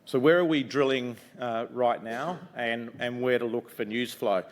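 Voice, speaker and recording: A middle-aged man with a New Zealand accent and a loud voice, giving an upbeat investor presentation in a conference room, talking casually with lots of ums and uhs. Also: steady tone, measured pace. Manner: upbeat, conversational pitch with frequent ums and uhs. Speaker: mining company executive presenting to investors.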